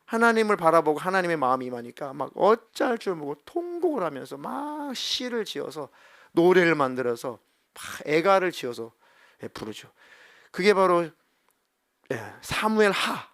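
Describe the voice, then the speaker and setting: A middle-aged man preaching a sermon as senior pastor, telling a story with lively, acted-out dialogue. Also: fairly high pitch, normal speed, dry recording, studio quality. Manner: animated storytelling, acting out quoted dialogue.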